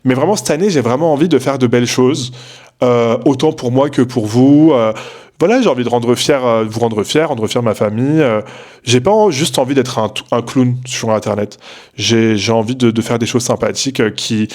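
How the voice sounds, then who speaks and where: A man's voice: mid-range voice, normal speed, darkish tone. A young man in a casual late-night vlog, rambling in a slangy way with many fillers and restarts, talking from home. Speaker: content creator.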